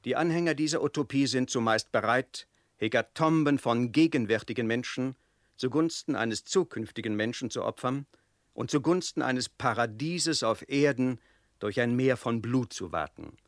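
A man's voice: medium pitch, moderate pace, no echo, studio quality, natural voice. Man reading as a formal, emphatic author. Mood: earnest, critical. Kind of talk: formal reading of a quoted book in a radio feature.

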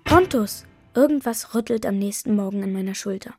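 A woman narrating a children's story in a gentle, lively way, voicing the characters as she reads. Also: mid-range voice, a little fast, husky, no room sound, soft background music.

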